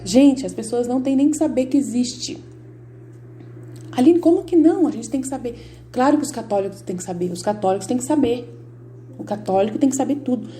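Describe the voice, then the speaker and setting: A woman with a Brazilian Portuguese accent gives a devotional talk in a warm, mellow voice that sits a little high. She speaks directly and insistently to her listeners and drives her points home by repeating them. A faint hum runs underneath. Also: expressive, a little fast. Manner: emphatic and repetitive, addresses viewers directly. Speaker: Catholic lay teacher. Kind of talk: informal devotional teaching.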